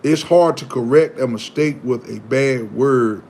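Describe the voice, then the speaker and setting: A man hosting a live stream, chatting casually and preaching, animated and given to repeating himself. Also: medium pitch, a little slow, vocal fry, slight background noise. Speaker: livestream host.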